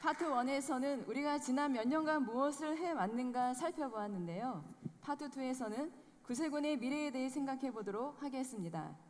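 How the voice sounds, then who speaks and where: A woman presenting a formal scripted report in a clear, formal tone. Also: high voice, expressive, fairly quick, hardly any pauses, a little hiss or hum. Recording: long hall reverb.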